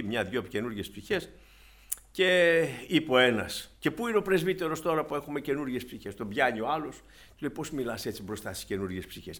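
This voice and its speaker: Man, preacher, sermon, higher voice, loud exhortations and hushed asides. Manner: swings between loud exhortation and soft low asides, retelling anecdotes.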